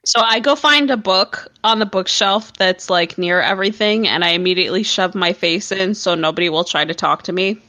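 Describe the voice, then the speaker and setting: A woman's voice: mid-range voice, fairly quick, few pauses, pushed and bright, no room sound. A woman playing a tabletop game, casually describing what her character does. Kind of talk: casual improvised game chat.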